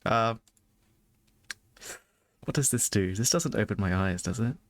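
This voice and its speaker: A man's voice: on the low side, unhurried, dry recording. A man doing casual, reactive let's play commentary, talking back to the game in a wry, conversational way. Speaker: let's player, streamer.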